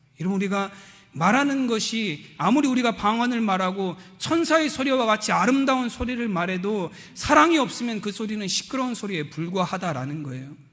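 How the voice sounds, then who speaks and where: With audible room echo and noticeable background noise, a man speaks at a fairly quick pace and a high pitch, his voice making very wide pitch swings. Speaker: pastor. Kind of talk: sermon.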